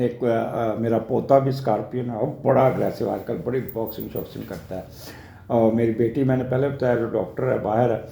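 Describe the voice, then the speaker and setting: Older man, Lahore Urdu accent, astrologer, chatty and rambling, gravelly voice, echoey room. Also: mid-range voice, mellow. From Pakistan. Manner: chatty, rambling, drifts into anecdotes and jokes; mixes in English phrases. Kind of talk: weekly horoscope talk.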